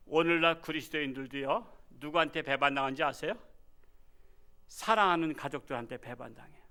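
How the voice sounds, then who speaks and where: A man in his sixties, a pastor giving a Sunday sermon in a folksy, joking way, jumping from loud cries to quiet asides. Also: high-pitched, smooth. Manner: animated, swinging from loud exclamations to quiet asides.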